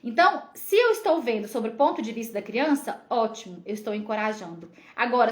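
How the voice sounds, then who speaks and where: High-voiced Brazilian woman explaining. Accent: Brazilian Portuguese. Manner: explanatory, frequent tag questions to viewers. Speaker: psychologist. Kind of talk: live parenting lesson.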